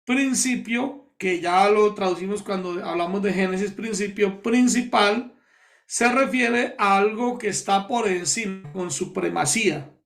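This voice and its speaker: A pastor from Colombia leading a Bible study, explaining words slowly and repeating key terms to his listeners. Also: high voice, creaky, fairly bright tone.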